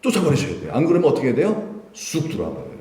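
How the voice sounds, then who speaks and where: A male pastor preaching a Sunday sermon, animated and full of rhetorical questions to the congregation. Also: fairly high pitch, rapid-fire. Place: church sanctuary. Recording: roomy church echo.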